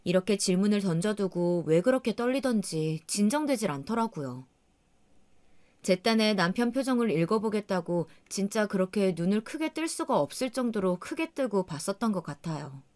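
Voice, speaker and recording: A woman's voice: medium pitch, expressive, moderate pace, darkish tone. Woman narrating a confiding story. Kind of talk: first-person story narration.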